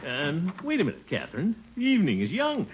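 A man's voice: fairly high pitch, wildly swooping pitch, a little fast. An actor playing a pompous middle-aged bachelor courting his sweetheart in a 1950s radio sitcom, dull old broadcast sound. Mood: coaxing. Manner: coaxing, blustery. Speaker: title character.

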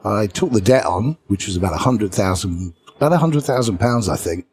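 A middle-aged man with a British English accent and a rough, husky, lowish voice. He tells his stories as an animated guest, chuckling between lines. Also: a little fast. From England. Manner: lively raconteur who chuckles between lines. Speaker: podcast guest. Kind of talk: anecdotal storytelling in an interview.

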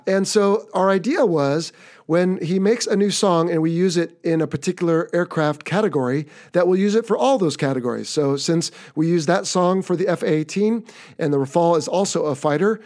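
A man's voice: a little high, moderate pace, darkish tone. An American man hosting a podcast, chatting casually and upbeat as he wraps up an episode. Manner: upbeat, chatty, wrapping up the show. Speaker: podcast host.

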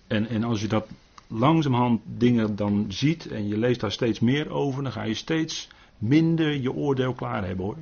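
A man's voice: medium pitch, moderate pace, creaky, darkish tone, slightly rough, dull audio. An older man leading an informal Bible study, earnest, often adding tag questions and restarting his sentences.

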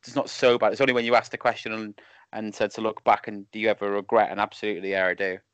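A man in his thirties with a lisp, talking casually as a podcast guest over a remote call, self-deprecating and halting. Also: lowish voice, flat delivery, a bit bright, smooth, no room sound. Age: 30s. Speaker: podcast guest, wrestling referee. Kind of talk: casual chat. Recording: dull lo-fi call audio.

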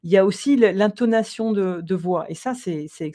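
A woman's voice: mid-range voice, normal speed, warm tone. A woman hosting a podcast who talks in an affectionate, hesitant way with frequent fillers. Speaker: podcast host. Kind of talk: casual conversation.

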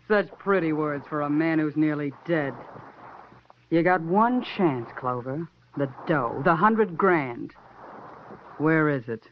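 A woman's voice: sits low, lively intonation, slow pace. A woman playing Belle, a scheming female gangster in a 1950s radio drama, with a purring, mocking way of talking. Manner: purring, mocking, turns pleading. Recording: dull old radio broadcast, faint hiss.

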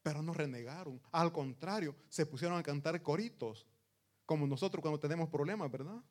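A pastor delivers a sermon in a voice set a little high for a man. He reads scripture slowly and with weight, then swells to loud emphasis before dropping to near-quiet asides. He speaks warmly and directly to his congregation as brothers. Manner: preaching with sudden loud rises and soft drops; addresses listeners as brothers.

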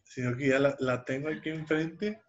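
A young man co-hosting a podcast tells a personal story in a casual, rambling way, restarting sentences and using fillers. His voice is a little high, with a steady tone and moderate pace. The recording sounds dull and lo-fi.

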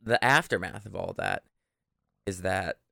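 A man's voice: low voice, wildly swooping pitch, unhurried, vocal fry, sharp tone, no room sound, studio quality. A man co-hosting a podcast, telling stories in a casual, informal, mildly profane way. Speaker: podcast co-host. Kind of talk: casual podcast chat and storytelling.

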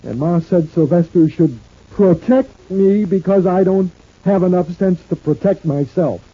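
A man acting a proud, gullible working-class husband in an old-time radio serial, with a plaintive, folksy, halting delivery. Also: high-pitched, breathy edge, no room sound. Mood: wounded. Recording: muffled old radio recording.

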